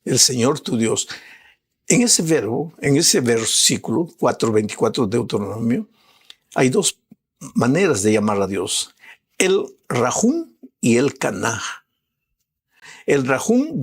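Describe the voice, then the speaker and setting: A man, a pastor, giving a sermon with slow, emphatic preaching and rising appeals. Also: medium pitch, sing-song, husky.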